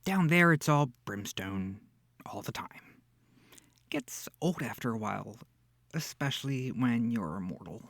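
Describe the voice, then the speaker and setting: A man plays a smug male incubus demon, seductive and theatrical, in an ASMR audio roleplay. His voice is gravelly and unhurried, teasing the listener from very close in a dry, echoless space. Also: mid-range voice, lively intonation, fairly bright tone. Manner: theatrical, teasing, purring, breathy asides.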